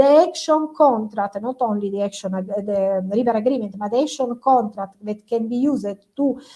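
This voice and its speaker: A woman speaks with an Italian accent in a dark, mellow tone. The background is quiet. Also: fairly high pitch for a woman, ordinary pitch variation, moderate pace. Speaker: professor. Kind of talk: lecture. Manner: halting.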